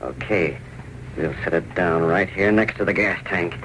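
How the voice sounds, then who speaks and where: A gruff 1930s racket boss. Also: male voice, low voice, moderate pace, a bit bright, low-quality recording. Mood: commanding. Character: ruthless male racketeer boss giving orders. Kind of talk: 1930s radio drama acting. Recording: hissy 1930s radio recording.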